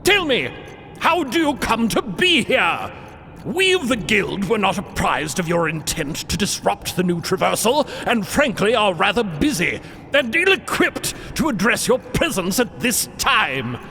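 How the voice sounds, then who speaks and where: A man's voice: high voice, sing-song, unhurried, vocal fry, sharp tone, a little hiss or hum, voice pushed up, heavily acted. A man voicing a pompous, imperious old bearded Count in a formal manner for a fiction podcast. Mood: stern, pompous. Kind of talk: narrated fiction podcast character acting. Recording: long reverb, faint music behind.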